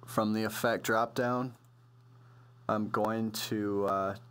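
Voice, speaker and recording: Low-voiced man giving a casual tutorial. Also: fairly even intonation, takes it slowly, fairly bright tone, clean tone. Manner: informal, slangy, loosely improvised explaining. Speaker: music production tutorial presenter. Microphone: computer voice-over on a microphone.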